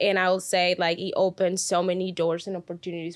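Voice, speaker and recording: A woman with a Spanish accent speaks at a moderate pace, fairly low in pitch and with monotone, flat intonation. The recording is very clean, with a silent background. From Mexico. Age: 20s. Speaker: reality TV personality and model. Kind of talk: podcast interview. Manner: hesitant, many fillers.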